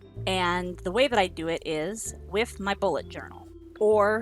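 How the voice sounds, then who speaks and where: Music plays in the background as a woman talks with a Michigan accent. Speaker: writer and blogger. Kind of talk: casual talk to camera, craft tutorial. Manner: casual, self-deprecating.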